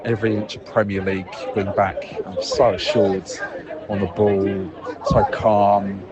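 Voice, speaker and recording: A man's voice: on the low side, big pitch swings, unhurried, lo-fi sound, a loud crowd. A man leaving a casual, unscripted match report as a fan, hesitant but thoughtful and analytical. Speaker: football fan leaving a voicemail.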